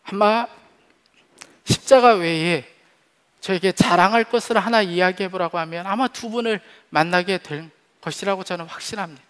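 A man in his forties preaches from a church stage with a noticeably high voice. He is earnest and heartfelt, pressing some words hard and letting others drop soft. His voice rings out into a long hall reverb. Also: moderate pace, clear, resonant tone. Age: 40s. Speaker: pastor. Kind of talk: sermon. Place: church stage behind a podium. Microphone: headset mic.

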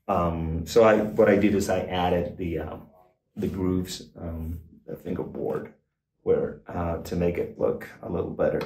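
An older man, a guitar expert guest, explaining in a casual, halting way with many fillers and restarts, in a small backstage room. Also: sits low, fairly even intonation, darkish tone, far from the mic. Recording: roomy, off-mic, faint noise.

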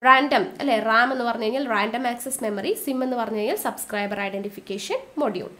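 A woman with a Malayali accent and a fairly high voice teaches a recorded exam-prep lesson. She asks questions and answers them herself, and slows down to repeat key terms. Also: lively intonation, bright, forceful tone.

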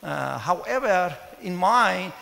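A middle-aged man from Iran with a Persian accent, giving an informal conference talk in a halting, hesitant way. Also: high voice, animated, vocal fry, sharp tone. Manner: hesitant, halting delivery with frequent pauses. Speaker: mathematics professor and conference speaker. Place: large conference hall, indoors at a podium. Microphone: handheld microphone. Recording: echoey hall with long reverb.

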